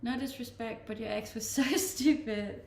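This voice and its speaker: A woman's voice: on the high side, moderate pace, echoey room, a little hiss or hum. A woman from Denmark with a Danish accent, chatting casually on a live stream as she reads out viewer comments and answers them, laughing often. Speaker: Twitch streamer.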